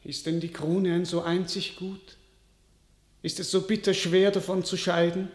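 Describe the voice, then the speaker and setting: Slow, solemn, despondent king. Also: high-pitched, little pitch movement, roomy sound. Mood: despairing. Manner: solemn, declamatory, measured. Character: despondent, world-weary king giving up his crown. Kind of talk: classical verse radio drama acting.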